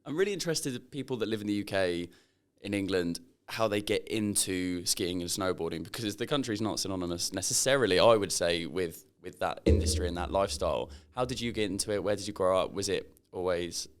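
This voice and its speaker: A man's voice: low voice, fairly quick, smooth. A man hosting a podcast, asking chatty, friendly questions in a casual interview. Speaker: podcast host.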